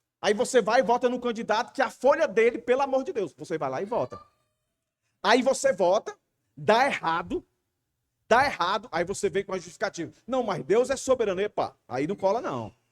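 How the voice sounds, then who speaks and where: With a high pitch, an animated tone, and lively intonation, a man speaks at a moderate pace in a dry, close sound with no echo. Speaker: pastor. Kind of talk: sermon. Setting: church. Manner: conversational, animated.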